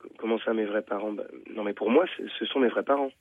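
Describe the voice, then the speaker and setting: Un homme jouant un auditeur hésitant et bafouillant qui appelle une émission. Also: male voice, on the low side, fast talker, no echo, natural voice. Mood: hesitant. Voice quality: hesitant, stammering. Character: shy, halting adopted man calling in. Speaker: caller. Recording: tinny phone line.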